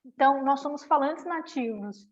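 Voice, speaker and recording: A woman's voice: high-pitched, expressive, moderate pace. Brazilian woman lecturing over a dull webinar line. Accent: Brazilian Portuguese. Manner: chatty, often adds tag questions. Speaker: language lecturer. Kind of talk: informal online lecture. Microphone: video call.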